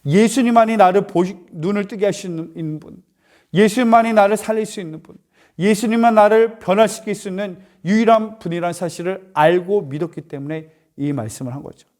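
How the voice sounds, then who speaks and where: A male pastor preaches to young people, retelling the scene with rhetorical questions and acted-out voices. His voice sits noticeably high for a man. He delivers it in a church. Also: a little fast. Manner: animated, acts out voices, asks rhetorical questions. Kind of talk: youth sermon, storytelling.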